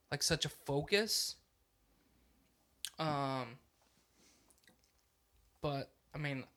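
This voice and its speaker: A young man hosting a podcast, chatting casually with crude, deadpan jokes. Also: fairly high pitch. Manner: joking, crude, deadpan asides. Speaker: podcast host.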